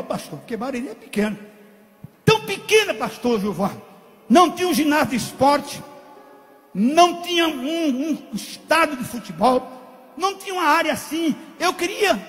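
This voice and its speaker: A man with a Brazilian Portuguese accent preaching a testimony sermon as a pastor, in a sing-song cadence with repeated phrases that climb into shouts. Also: very high voice. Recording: long hall reverb with faint music.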